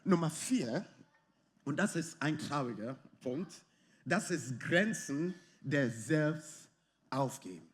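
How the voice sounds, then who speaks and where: A man preaching a sermon in lively, slightly non-native German with English phrases mixed in. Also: on the high side, takes it slowly. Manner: animated, lively, often acts out quoted arguments. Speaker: pastor.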